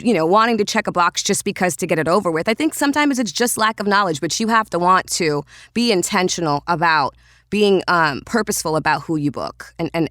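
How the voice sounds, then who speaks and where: A woman with a Trinidadian accent, chatting as a voiceover guest in an animated way, often restarting her sentences. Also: on the low side, dry recording, clean studio sound. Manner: animated, quick, with frequent restarts and fillers. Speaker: voiceover artist and podcast guest. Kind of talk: casual interview talk.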